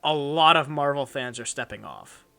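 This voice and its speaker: Animated young man, bright voice. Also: medium pitch, moderate pace, creaky, clean tone. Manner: rambling, animated, frequent restarts and fillers. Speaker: channel host. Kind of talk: casual chat.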